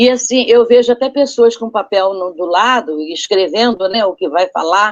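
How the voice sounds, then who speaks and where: A woman with a normal speaking voice talks at a moderate pace with hardly any pauses. Her pitch is fairly high and her intonation lively. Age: 60s. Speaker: interviewee sharing spiritual experiences. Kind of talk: interview testimony. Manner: conversational, repetitive fillers.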